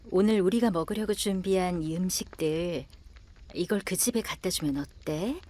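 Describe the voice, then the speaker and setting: A woman playing a kind, gentle middle-aged mother in an audio drama. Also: fairly low pitch, slow pace. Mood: warmly suggesting. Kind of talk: Korean audio drama acting.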